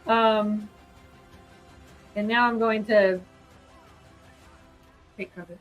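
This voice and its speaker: A woman's voice: medium pitch, fairly even intonation, very slow, dull audio, soft background music. A woman chatting casually as a player in a tabletop roleplaying game.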